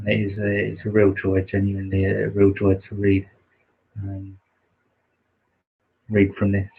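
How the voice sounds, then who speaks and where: A soft-spoken man with a naturally quiet voice, hosting a livestream and slowly reading a spiritual text, with many pauses and fillers. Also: on the low side, monotone, creaky, slightly rough. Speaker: livestream host reading aloud. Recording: dull lo-fi livestream audio.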